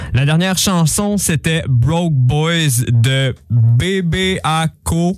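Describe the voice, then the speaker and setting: A man speaks very slowly in a Quebec accent. His fairly high voice runs on with hardly any pauses. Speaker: radio host, rapper. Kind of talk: casual chat.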